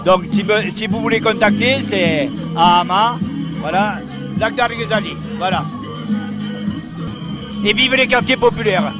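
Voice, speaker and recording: A man with a fairly high voice talks in a jovial, promotional way. Loud music and a thick crowd surround him at an outdoor street market. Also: measured pace, long pauses. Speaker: volunteer and DJ. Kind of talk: street interview.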